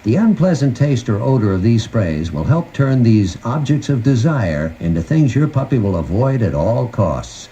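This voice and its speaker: A man's voice: medium pitch, big pitch swings, normal speed, hardly any pauses, dark tone. A man giving scripted instructional narration in a folksy, conversational manner, recorded on an old cassette tape. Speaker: host of a puppy training guide tape. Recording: noisy 1990 cassette tape transfer.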